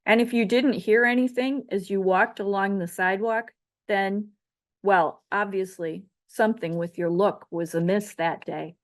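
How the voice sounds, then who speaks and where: Middle-aged woman from Chicago, author reading her own memoir, measured and reflective, mid-range voice. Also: mid-range voice, steady tone. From Chicago area, United States. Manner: measured, reflective delivery of a prepared text.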